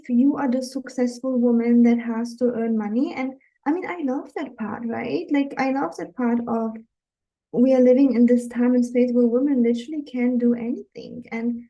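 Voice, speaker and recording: A woman's voice: fairly high pitch, warm tone, muffled recording. A woman from Germany, a dating coach, speaking to viewers in an earnest, encouraging live webinar talk.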